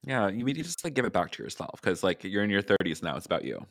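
A man, hosting a podcast in a playful, animated way full of fillers. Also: on the low side, fast. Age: 30s. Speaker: podcast host. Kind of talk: casual chat.

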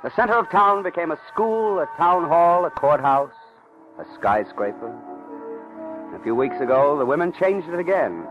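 A man delivering dramatic scripted narration for an old radio programme. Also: on the high side. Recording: muffled old radio recording, music.

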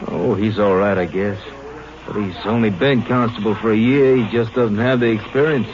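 An actor playing a cynical, world-weary small-town newspaper editor in a 1950s radio drama, wry and resigned. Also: male voice, on the low side, normal speed, highs cut off, natural voice. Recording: noisy band-limited 1950s radio recording.

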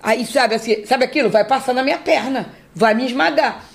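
A woman's voice: fairly high pitch, a little fast, creaky, breathy edge. Rio accent lady in her 50s, chatty storyteller on a podcast, does all the voices. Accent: Rio de Janeiro Portuguese. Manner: animated storyteller, acts out quoted voices, repeats words for effect. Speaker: guest, host's mother.

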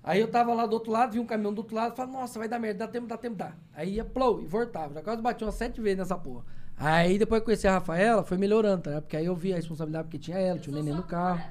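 A man's voice: sits high, darkish tone, a little hiss or hum. A young man in casual chat, telling rambling stories full of swearing, with sudden vocal tics and repeated words. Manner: swears a lot, fast rambling storytelling.

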